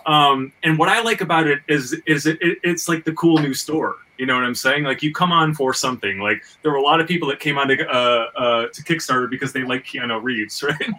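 Bright-voiced man, rambling, off-mic. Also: mid-range voice, a little fast, few pauses, distant mic, slight background noise, rough recording. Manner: rambling, stammering, repeats words as he thinks. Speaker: podcast co-host. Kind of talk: casual conversation about making independent comics and audio.

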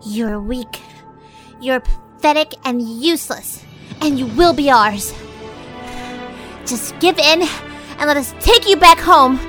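A creepy possessed child with a high, bright, wildly swinging voice. The demon is taunting, petulant and menacing, in the manner of horror audio drama. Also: female voice, expressive, takes it slowly, pauses often, faint music behind, full character voice.

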